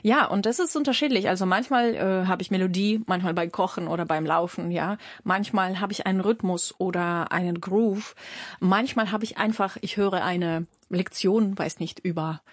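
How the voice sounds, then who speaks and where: A woman's voice: on the low side, moderate pace, dry recording, studio quality. A Ukrainian woman with a Ukrainian accent, a musician being interviewed, talking thoughtfully and searching for words with many fillers. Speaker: musician guest. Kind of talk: interview conversation.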